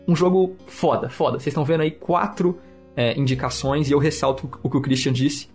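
A man's voice: a little high, fairly even intonation, a little fast, darkish tone. A man with a Brazilian Portuguese accent hosting a podcast in casual, slangy, enthusiastic review chat. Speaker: podcast host. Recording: music behind the voice.

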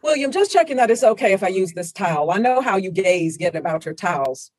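A woman reading the part of a fiery, betrayed wife in her forties in a comedy script reading, loud and profane. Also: medium pitch, very animated, a little fast, no echo. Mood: indignant. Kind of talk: comedy script table read.

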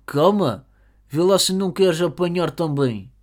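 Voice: mid-range voice, expressive, unhurried, lightly acted. A speaker doing a curt schoolyard bully. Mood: threatening. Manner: threatening, curt.

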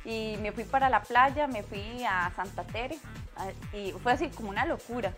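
A woman's voice: fairly high pitch, normal speed, fairly bright tone, faint music behind. A young Costa Rican woman in casual chat as a podcast co-host, telling a personal story and acting out her own past lines.

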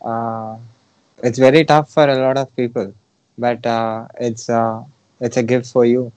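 A man interviewing an author, pausing often with fillers between words. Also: mid-range voice, flat delivery, a little mellow, smooth, rough recording. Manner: hesitant, many fillers.

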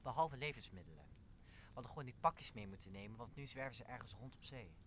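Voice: mid-range voice, animated, fast talker, a bit bright, a little hiss or hum, close to an everyday voice. An actor playing a teasing, wisecracking courtier sidekick in an audio drama. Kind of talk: Dutch audio drama acting of Shakespeare.

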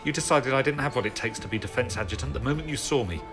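An actor playing a proud young military officer with a pointed way of talking in a science fiction audio drama. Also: male voice, medium pitch, racing, lightly acted. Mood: resentful, hurt. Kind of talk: dramatic acting. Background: music.

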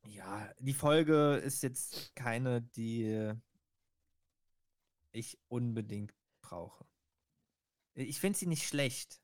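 Chill guy slowly mulling over an episode, kinda hesitant, dry sound. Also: medium pitch, no room sound. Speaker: podcast co-host. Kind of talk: casual chat.

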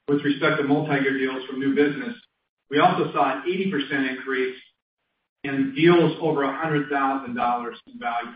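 A man speaking as a company executive on an earnings call, wordy and assured in corporate phrasing. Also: medium pitch. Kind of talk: earnings call answers, corporate business talk. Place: conference call from a room. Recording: roomy, distant mic, dull sound.

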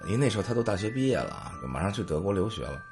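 A middle-aged man tells funny stories from his past as a show host. His voice sits very low, yet his pitch swings widely and animatedly. Faint music plays behind him. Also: racing, vocal fry. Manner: humorous, anecdotal, lively. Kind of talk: storytelling monologue.

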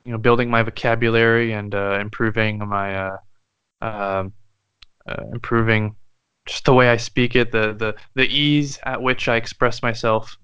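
A young man from Canada whose first language is French, a musician guest speaking thoughtfully with many pauses and fillers. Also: medium pitch, steady tone, a bit bright, clean tone, no echo, highs cut off. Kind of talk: casual interview chat.

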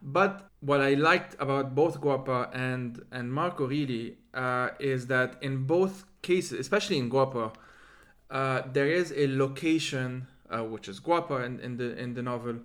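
A man's voice: medium pitch, unhurried, a bit bright. Man with rolled R's, thinking aloud. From Lebanon. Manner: discursive, circling through asides. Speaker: podcast host and interviewer. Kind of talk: reflective conversational interview talk.

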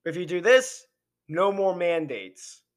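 A man's voice: high voice, lively intonation, slow pace. A man hosting a podcast, giving an impassioned political monologue full of rhetorical questions while he is losing his voice. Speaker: podcast host. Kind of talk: opinionated political commentary monologue.

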